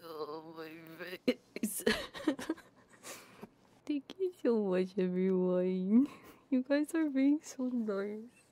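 A woman's voice: medium pitch, sing-song, extremely slow, long pauses, no room sound. A tearful woman chatting casually as a livestream host, flustered and apologetic, close to the microphone. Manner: flustered, self-deprecating, apologetic, drifting into soft whispers. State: tearful, crying while laughing. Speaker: ASMR streamer and Vtuber host. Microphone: binaural ASMR microphone, close.

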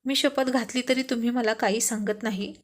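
A woman voicing a young devoted wife who speaks with earnest, emotional warmth in storybook dialogue. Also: a little high, fairly even intonation, fairly quick, natural voice. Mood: earnest, teasing.

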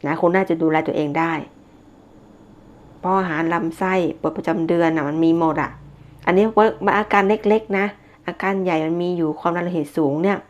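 A lower-pitched woman talks through a monthly tarot reading in a loose, chatty way. She circles back, repeats phrases and fills pauses as she goes. The recording is dull and lo-fi. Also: steady tone. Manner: chatty, repeats herself, frequent fillers and polite particles. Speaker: tarot reader. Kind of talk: casual monthly horoscope reading.

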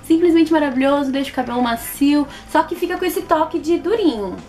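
Speaking a little fast, a Brazilian beauty vlogger in her twenties talks to camera about products in a high, expressive voice, often repeating words for emphasis. Light music runs beneath her casual chat in a small, plain indoor room.

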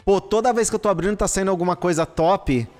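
A man, commentating a live gaming stream, excitable and exclaiming and swearing at what he gets. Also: sits high, quick pace. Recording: long reverb with faint music behind. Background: faint background music.

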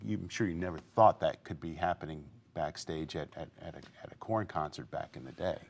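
A man with a very deep voice hosts a talk show. He asks questions and keeps affirming his guest with "yeah" and "mm-hmm". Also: fairly quick, gravelly. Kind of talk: interview questions.

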